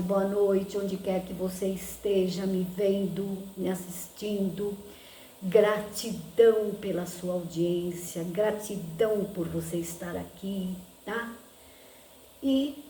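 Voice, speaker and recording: A woman's voice: on the low side, reverberant, slight background noise. A woman with a Brazilian Portuguese accent chatting casually to her viewers on a phone, full of fillers and "né?" tags. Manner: chatty, filler-heavy with frequent "né?"; says she talks loudly. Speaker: vlogger.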